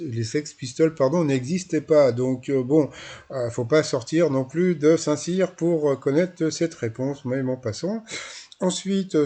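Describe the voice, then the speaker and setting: A man's voice: mid-range voice, mellow. A man with a Marseille accent hosting his channel, recapping a game show in a rambling, hesitant way with mocking asides. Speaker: YouTube channel host.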